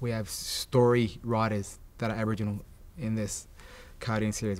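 Here a man is talking. His intonation is monotone and flat. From Australia. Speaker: former footballer and cartoon series creator. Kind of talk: interview answer. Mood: proud, hopeful. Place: studio.

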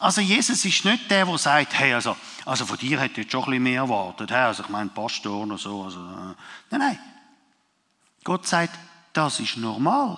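The speaker moves at a moderate pace with long, frequent pauses and very wide pitch swings against a quiet background. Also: man, medium pitch for a man. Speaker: preacher. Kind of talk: live sermon. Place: stage.

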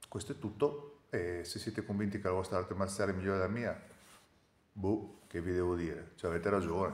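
Fairly quick speech from a man with a fairly low pitch and ordinary pitch variation, in audible room echo. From Italy. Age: 50s. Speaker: martial arts instructor. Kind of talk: opinion monologue. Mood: calm, reflective, slightly wry. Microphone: phone near.

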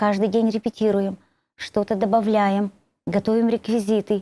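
With music in the background, a woman talks at a fairly slow pace in a monotone, flat intonation. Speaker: ethnocultural center deputy director. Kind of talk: studio interview. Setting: studio. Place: studio. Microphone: lapel.

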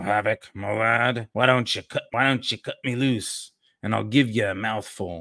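Using a put-on character voice, a man growls at a fairly slow pace with fairly even intonation. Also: medium pitch for a man, dry, close sound with no echo. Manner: muffled; mocking, taunting.

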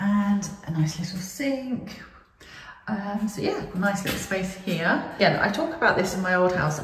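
In a room with audible echo and light background noise, a woman talks at a fairly slow pace with lively intonation. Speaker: vlogger touring her new house. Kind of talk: casual vlog chat. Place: empty room. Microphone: phone near.

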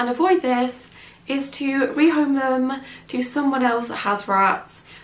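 Woman speaking at a fairly slow pace with audible room echo. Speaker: pet vlogger. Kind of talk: casual vlog chat. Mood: warm, slightly wistful. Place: home room.

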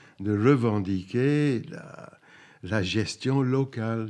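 A man with an English accent, medium pitch and ordinary pitch variation against a quiet background. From northern England, Preston (Lancashire); northern England. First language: English (speaking French). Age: 70s. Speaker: anthropology professor. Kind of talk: interview testimony. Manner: hesitant, repeats words. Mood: reflective, animated hands. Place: home room.

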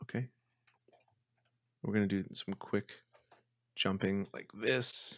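Against a quiet background with dry sound and no echo, a speaker with an American accent goes at a very slow pace with long, frequent pauses. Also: man, fairly low pitch for a man, ordinary pitch variation. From Boston, Massachusetts, USA. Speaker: gamer and YouTuber, musician, actor. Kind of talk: casual gameplay commentary to camera.

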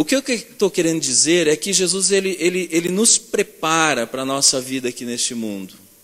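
A man with a fairly high pitch speaks in very wide pitch swings. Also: moderate pace, hardly any pauses. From Brazil. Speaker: Lutheran pastor. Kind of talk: sermon delivered to a congregation. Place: church.

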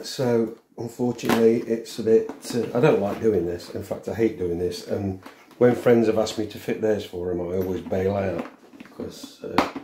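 Male speech at a medium tempo, loudness swinging widely, with noticeable noise in the background. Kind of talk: casual tutorial chat. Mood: relaxed, mildly humorous. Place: home room. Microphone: phone near.

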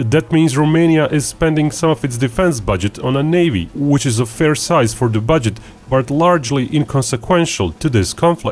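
A man speaks with lively intonation over music in the background. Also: moderate pace, hardly any pauses. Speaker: narrator. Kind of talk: documentary narration.

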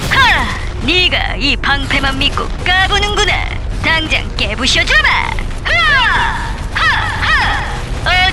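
A put-on character voice at a fairly slow pace over loud background noise. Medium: fan dub. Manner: loud, cocky.

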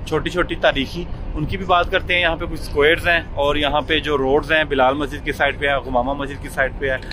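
A man talks at a fairly quick pace with fairly even intonation. The sound is dry with no echo, though there is noticeable background noise. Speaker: travel vlogger. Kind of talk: casual vlog chat. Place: street. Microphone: phone near.

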